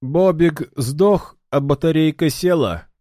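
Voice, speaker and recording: A man's voice: medium pitch, animated, mellow, dry recording, clean studio sound, voice pushed up, natural voice. A man voicing a hot-tempered young fighter who taunts and snaps at his foe in a raised voice. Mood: mocking. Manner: sarcastic, taunting, quick to anger.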